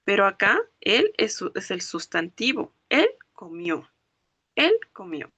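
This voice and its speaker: Woman language teacher, bright tone, patient step-by-step explaining. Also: medium pitch, very animated, breathy edge, no room sound, dull audio. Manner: explains slowly, checks understanding with "¿ok?" and "¿no ve?". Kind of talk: classroom lecture.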